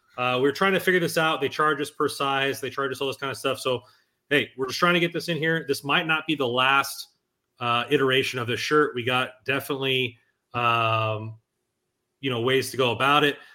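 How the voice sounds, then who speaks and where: A man with an ordinary speaking voice and a fairly high pitch, at a fairly quick pace with fairly even intonation, on a very clean recording with a silent background. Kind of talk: casual podcast chat. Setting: live stream with chat.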